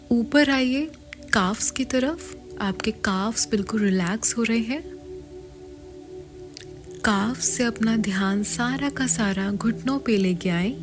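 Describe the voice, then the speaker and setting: Indian lady doing guided meditation, really slow n soft, half whispery, music playing behind her. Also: a little high. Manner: measured, with long pauses between short phrases.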